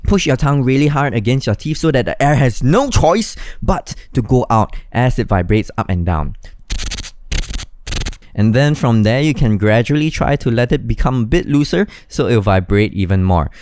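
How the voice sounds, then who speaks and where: A man's voice: medium pitch, animated, normal speed, darkish tone, a little hiss or hum. A man teaching beatbox step by step in an encouraging, instructional way. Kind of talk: step-by-step tutorial.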